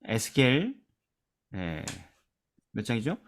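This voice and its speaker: A man leading a church Bible study discussion, asking questions and reading verses aloud, trailing off softly at the ends of phrases. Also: wildly swooping pitch, takes it slowly, a little hiss or hum. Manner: asks questions and drops to a soft low voice at phrase ends; reads scripture aloud with emphasis.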